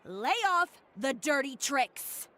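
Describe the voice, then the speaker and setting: An actress playing a sharp-tongued, confident and protective woman in a video game, with a composed, sardonic manner. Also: sits high, animated, slow, heavily acted. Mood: scornful, threatening.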